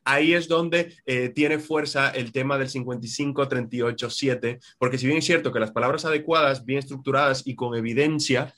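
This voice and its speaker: A man from Spain with a Spanish accent, a communication trainer giving measured, instructive answers in an interview over a video call. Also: medium pitch, steady tone, a bit bright. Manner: measured, instructive, slows down on key words.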